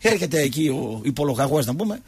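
A man's voice: fairly high pitch, sing-song, husky. A man hosting a radio show, telling comic stories and acting out the quotes in shifting voices. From Greece. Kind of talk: comic storytelling chat.

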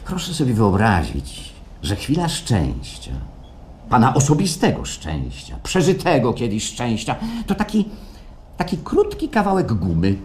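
A man's voice: mid-range voice, wildly swooping pitch, unhurried, a little mellow. An actor playing an unctuous, grandiloquent salesman in a radio play performed live, persuasive and theatrical. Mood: grandiose. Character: grandiose, unctuous male salesman of engineered happiness. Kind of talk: radio play acting before a live audience. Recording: live stage recording with background noise.

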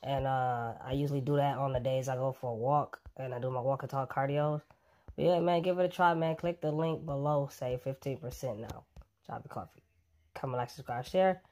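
A fitness vlogger casually pitching a coffee to his viewers, relaxed and chatty, with plenty of ums. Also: brisk.

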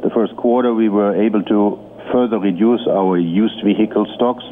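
Deep-ish male voice, company executive, formal and halting, narrow phone-line sound, faint hiss. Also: fairly even intonation. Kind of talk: prepared earnings-call presentation. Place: conference call line. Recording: muffled phone-line audio with noise.

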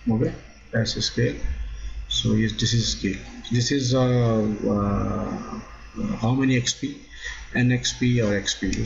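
Halting man with a lo-fi mic. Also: mid-range voice, creaky. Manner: halting, repeats "okay" often, non-native phrasing. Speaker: drafting instructor. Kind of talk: screen-recorded software tutorial. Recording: dull lo-fi sound.

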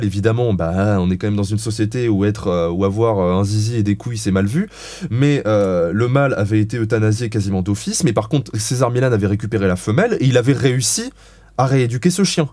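A man's voice: on the low side, mellow, dry recording. Frank male dog trainer, dry sound. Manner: frank and blunt, casual swearing. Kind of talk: explanatory interview talk.

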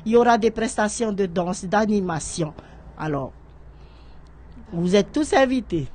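Her mid-range voice has lively intonation, a measured pace, and a slightly mellow quality. She's a middle-aged guest in a radio studio, the president of a horticulture association, speaking hesitantly into a stand microphone and often restarting or repeating words while she searches for them.

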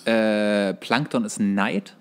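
A man co-hosting a podcast in casual conversation, often halting as he searches for words. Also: on the low side, clear, resonant tone. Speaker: podcast co-host. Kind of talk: casual podcast chat about cartoons.

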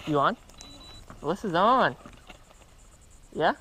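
A man's voice: fairly high pitch, expressive, takes it slowly, pushed and bright, low-quality recording. A young American man chatting casually as a fishing vlogger on a boat. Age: young adult. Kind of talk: casual vlog chat. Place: outdoors on a small boat on backwater. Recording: outdoor boat noise, water ambience.

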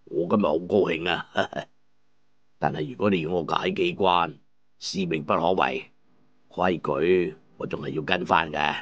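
A man's voice: deep voice, fairly even intonation, unhurried, a bit bright, no room sound, dull audio. An actor playing an elderly, patient master craftsman in a Cantonese audio drama, genial and avuncular but unbending. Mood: genial, firm. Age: older.

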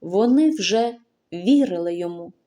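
A woman narrating a story audiobook in a measured, expressive reading. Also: mid-range voice.

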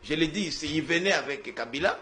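A man speaking as a guest on a political TV debate, deliberate and searching for names with frequent hesitations. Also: a little high, animated, sharp tone. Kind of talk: studio debate talk. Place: TV studio.

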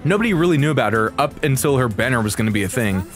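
A man hosting a reaction video, talking casually and excitedly with exaggerated enthusiasm and frequent swearing. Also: mid-range voice, rapid-fire, faint music behind. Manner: hyperbolic, casual, heavy swearing. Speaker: video host reacting to game trailers.

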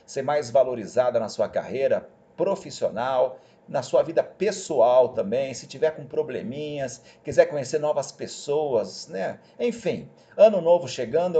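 A man talking casually and persuasively to viewers over a screen recording, chatty and animated. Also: mid-range voice. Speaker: job placement agency host.

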